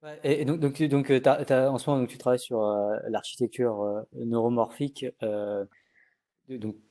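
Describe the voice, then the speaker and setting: A male host runs a casual interview and asks his guests about their work. His voice is mellow and mid-pitched. He often stumbles and repeats words as he asks his questions. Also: steady tone, moderate pace.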